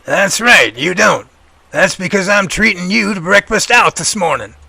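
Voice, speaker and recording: Man acting as assured professor, highish male voice, creaky and bright, emphatic explainer, audio drama. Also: lively intonation, moderate pace, exaggerated voice. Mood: friendly, relaxed. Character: earnest, assured male professor researching Bigfoot.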